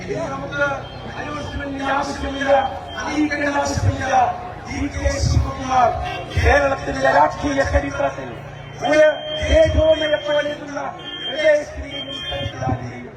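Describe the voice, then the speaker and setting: A man with a Malayali accent, compering a political rally over a PA system, shouting and leading slogan chants. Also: very high-pitched, completely flat delivery, measured pace, recorded from a distance. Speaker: rally announcer. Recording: echoey PA sound with crowd noise.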